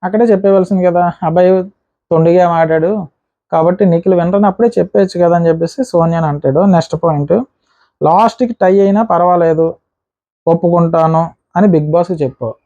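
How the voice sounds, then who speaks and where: A man recapping a reality show episode in a casual, rapid way, acting out what the contestants said. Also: a little high, steady tone, mellow, no room sound, lo-fi sound.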